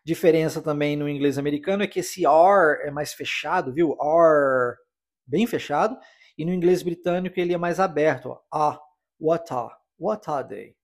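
Man teaching English, slightly high. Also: normal speed. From Brazil. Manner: explanatory, repeats phrases for drill. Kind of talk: podcast language lesson.

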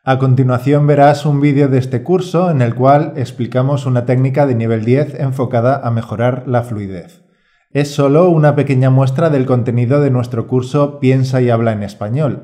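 A man presenting a Spanish course as a teacher and podcast co-host, calm and reassuring in a scripted delivery. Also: mid-range voice, moderate pace.

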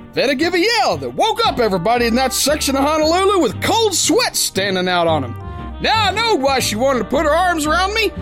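A man's voice: very high voice, heavily acted. A man playing a big, boastful, gullible boxer who tells his tale in slangy, ungrammatical tough-guy talk for a pulp radio play. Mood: smug, then dismayed. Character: big brawling boastful soft-hearted gullible male boxer, slangy narrator.

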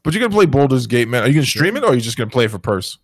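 A man's voice: medium pitch, very animated, very fast. A man co-hosting a casual gaming chat, teasing his partner and laughing often. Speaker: podcast co-host.

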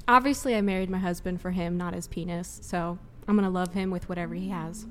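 A woman's voice: on the low side, fairly even intonation, fast, slight background noise. A married woman guest on a dating podcast panel, frank and wholesome in casual chat.

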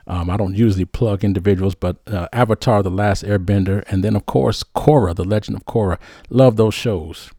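Upbeat low-voiced male show host. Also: a little fast, few pauses, mellow, no echo, clean studio sound. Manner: upbeat, many restarts and fillers. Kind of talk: casual show chat, reading viewer questions.

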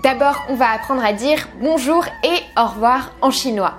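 A young woman teaching a beginner language lesson, upbeat and clear, modeling each word slowly before explaining it. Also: sits high, faint music behind.

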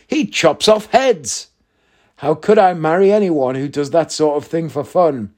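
A man's voice: fairly high pitch, measured pace, a little mellow, natural voice. A man voicing a young woman, a dreamy, demanding Cinderella, in a read-aloud verse fairy tale. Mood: dismayed.

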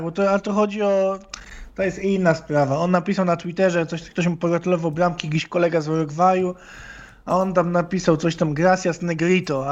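A man co-hosting a casual talk show, blunt and teasing. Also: sits high. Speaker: podcast co-host. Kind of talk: casual chat. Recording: dull lo-fi sound.

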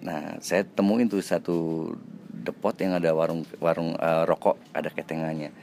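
Deep-voiced man telling a story. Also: normal speed, gravelly, a little hiss or hum. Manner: acts out quoted dialogue in changing voices; relaxed, chatty, with fillers and self-laughs. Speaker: actor. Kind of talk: casual anecdote storytelling.

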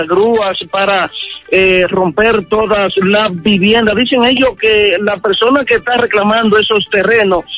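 A Dominican male reporter with a high voice delivers an unscripted, halting news report. Faint music sits behind it. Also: fairly bright tone, rough recording. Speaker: field reporter.

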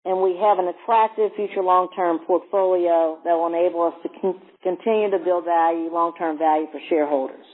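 High-voiced halting male executive, tinny line. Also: fairly even intonation. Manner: halting, often repeats words. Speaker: company executive. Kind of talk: earnings call presentation and answers. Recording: tinny narrow phone-line sound.

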